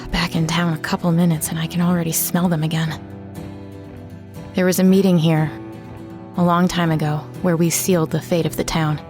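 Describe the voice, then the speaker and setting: Actress doing a low brooding woman narrating an audio drama, bitter writer back in her hometown, terse, faint music under it. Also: flat delivery, moderate pace, natural voice. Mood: defiant, bitter. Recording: music behind the voice.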